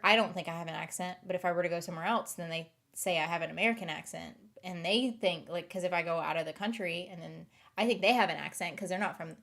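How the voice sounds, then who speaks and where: A woman's voice: fairly low pitch, fairly bright tone. A woman with a light Southern accent, chatting casually with her stream viewers in a rambling, giggly way. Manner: rambling, giggly, restarts and overthinks aloud. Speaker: live streamer.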